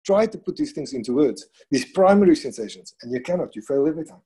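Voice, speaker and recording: A middle-aged man with a non-native English accent, speaking thoughtfully in a conversation, with frequent restarts and pauses. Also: fairly high pitch, expressive, mellow, husky. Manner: thoughtful, halting, with many restarts. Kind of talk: conversational discussion.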